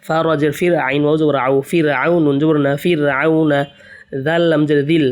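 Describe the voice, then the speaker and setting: A male Quran tutor from Bangladesh spells out Arabic letters and vowel marks for beginners. His voice sits on the high side with a level tone, moving between slow, sing-song drilled letter chants on a narrow melody and quick spoken explanations.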